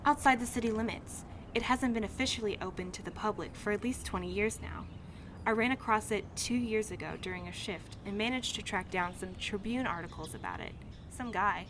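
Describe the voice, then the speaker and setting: A woman's voice: mid-range voice, fairly quick, background noise, lightly acted. A woman playing a direct, matter-of-fact mail carrier in an audio drama. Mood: direct, inviting. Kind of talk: naturalistic audio drama dialogue.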